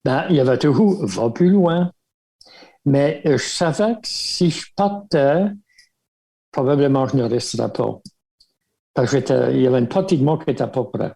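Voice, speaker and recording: Older Acadian man with a gravelly voice. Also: mid-range voice, normal speed. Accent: Acadian French from Baie Sainte-Marie. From Baie Sainte-Marie, Nova Scotia. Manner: warm reminiscing, many fillers, chuckles. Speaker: guest, religious brother. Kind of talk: casual storytelling interview.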